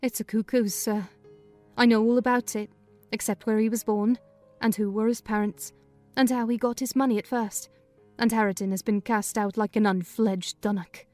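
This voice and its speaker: A woman's voice: fairly high pitch, fairly even intonation, normal speed, darkish tone, soft background music, natural voice. A woman reading a kindly, talkative older housekeeper in a dramatized audiobook. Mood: chatty. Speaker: narrator voicing housekeeper.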